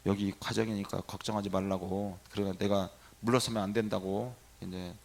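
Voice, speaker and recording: Animated gravelly-voiced Korean priest. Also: male voice, fairly low pitch, a little fast. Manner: animated storyteller acting out quoted dialogue. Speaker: Catholic priest. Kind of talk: storytelling sermon.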